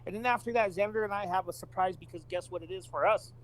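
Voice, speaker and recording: A man's voice: high-pitched, fast, poor audio. A man co-hosting a podcast in a casual, conversational style. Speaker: podcast co-host. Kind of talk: casual chat.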